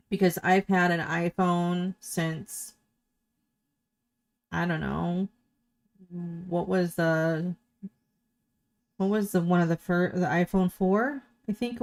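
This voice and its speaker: A middle-aged woman commenting in a casual, opinionated, questioning way. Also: fairly low pitch.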